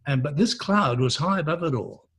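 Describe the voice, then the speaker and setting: A man who grew up in Malaysia, a guest in an interview, telling personal stories in a reflective, earnest, measured way. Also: on the high side, expressive, a bit bright, breathy edge.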